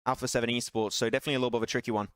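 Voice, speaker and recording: A man casting an esports match alone, excitable and chatty, laughing and bantering with his stream chat between calls. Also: medium pitch, rapid-fire, clean tone, no echo, studio quality. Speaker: esports caster. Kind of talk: solo esports play-by-play commentary.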